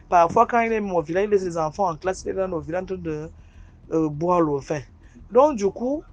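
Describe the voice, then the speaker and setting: A woman's voice: medium pitch, muffled recording, a little hiss or hum. A woman recounting her own eerie experience in a rambling, conversational way, with asides and restarts. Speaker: listener sharing a personal story. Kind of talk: spoken personal testimony.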